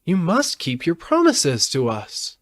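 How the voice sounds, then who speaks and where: A man's voice: fairly high pitch, wildly swooping pitch, slow pace, pitched above the performer's own voice, heavily acted. A man reading a storybook aloud as an earnest, questioning young girl. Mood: insistent.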